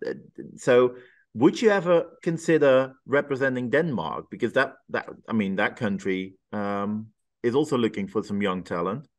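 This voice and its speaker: A man's voice: mid-range voice, animated, normal speed. A man interviewing a guest over a video call, asking friendly, chatty questions from a small room.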